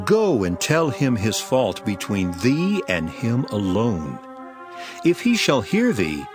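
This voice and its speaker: A man playing Jesus as a solemn, authoritative teacher in a dramatized Bible reading, speaking in an emphatic, measured way. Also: fairly low pitch. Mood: stern, emphatic.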